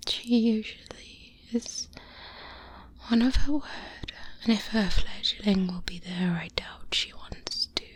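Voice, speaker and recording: Woman doing a guarded vampire hunter mentor, asmr roleplay, slow breathy whispering right up close to the mic. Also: mid-range voice, close to an everyday voice. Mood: cautioning, reassuring. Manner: measured, deliberate, hushed, with thoughtful pauses. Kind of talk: soft-spoken ASMR roleplay monologue. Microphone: close-up binaural microphone.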